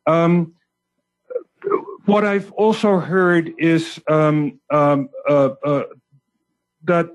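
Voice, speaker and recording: A man hosting a live online conference, speaking haltingly with stammered repeats as he moderates. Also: a little high, fairly even intonation, poor audio. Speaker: conference host handing over between sites.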